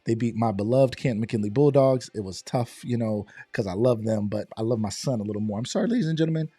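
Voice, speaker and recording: A middle-aged man hosting a live online show, slightly hoarse from losing his voice, talking in an upbeat, chatty way and greeting viewers by name. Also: medium pitch, quick pace, warm tone, dry recording. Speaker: host.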